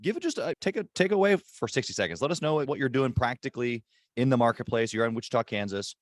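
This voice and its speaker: A man with a deep voice hosting a casual podcast interview from an airport, emphatic and hyped but holding his volume down. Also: lively intonation, fast talker, no echo, clean studio sound. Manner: emphatic, hyped-up, kept quiet in a public spot. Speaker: podcast host.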